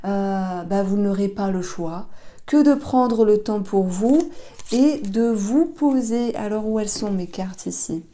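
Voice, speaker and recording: A woman giving a tarot reading, talking gently and unhurriedly with fillers and self-corrections. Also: medium pitch, slow pace. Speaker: tarot reader.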